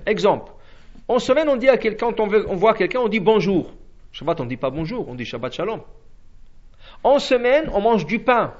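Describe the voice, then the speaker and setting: A man's voice: sits high, a bit bright, dull audio. A man teaching a spoken religious lesson, explaining step by step, restarting phrases and asking rhetorical questions.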